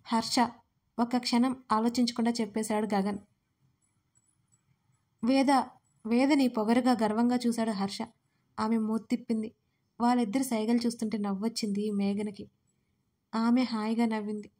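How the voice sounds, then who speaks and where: A woman narrates a serialized audio story and voices every part. Her voice sits a little high and stays fairly flat, in a steady, even read. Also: normal speed, pauses often.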